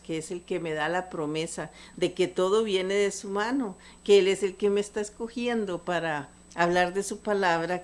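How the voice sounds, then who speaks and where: A woman's voice: fairly low pitch, a little mellow. An older woman, preaching a sermon with earnest fervor and asking her listeners rhetorical questions. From Costa Rica. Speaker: lay preacher.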